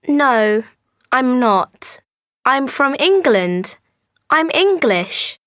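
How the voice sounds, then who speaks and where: A woman speaking scripted textbook dialogue slowly and carefully. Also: sits high, sing-song, fairly bright tone, dry recording, clean studio sound. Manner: slow, careful speech.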